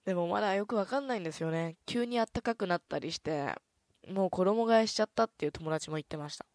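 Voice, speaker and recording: A woman with a slightly low voice hosts a relaxed radio talk segment. She speaks softly and easily, with a stuffy nose. The sound is close and completely dry. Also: fast talker, dry recording. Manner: soft, easygoing, chatty, with many "un" fillers. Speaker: radio host. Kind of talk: casual radio chat.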